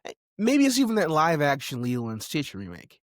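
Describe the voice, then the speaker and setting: A man hosting a video essay, speaking in a conversational, emphatic way with dramatic pauses. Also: fairly high pitch, wildly swooping pitch, no room sound, clean studio sound. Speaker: podcast host and video essayist.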